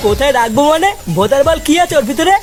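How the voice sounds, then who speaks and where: A high, fast-talking cartoon father played by a man, short-tempered and foul-mouthed. He bosses and scolds like a comic tyrant, with clear music playing behind him. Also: animated. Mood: irritated, bossy. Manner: scolding, swearing constantly. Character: bad-tempered, foul-mouthed father bossing everyone before a party.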